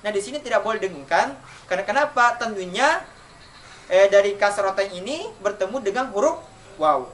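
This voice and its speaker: A man with an unusually high voice teaches young pupils how to recite, posing questions and answering them himself. He draws out each example in a slow chant. He sits away from the mic, with a faint hiss in the background. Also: animated, fairly bright tone, recorded from a distance. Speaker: elementary school Quran recitation teacher. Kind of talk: online tajwid lesson for children.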